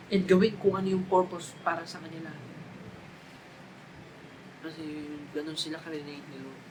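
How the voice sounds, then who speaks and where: A young man with a Filipino accent delivers a youth sermon, sliding between Tagalog and English. His voice sits high and he leans into emphatic, repeated phrases. A faint hum of room ambience stays underneath. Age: young adult. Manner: Taglish preaching, rising to emphatic repeated cries. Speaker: youth speaker.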